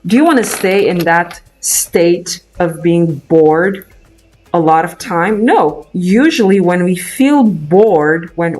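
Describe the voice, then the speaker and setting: This day trader is a young man from Romania whose high, slightly mellow voice carries a Romanian accent. On his live trading stream he talks loosely, working through ideas out loud and often stopping to restart amid frequent fillers.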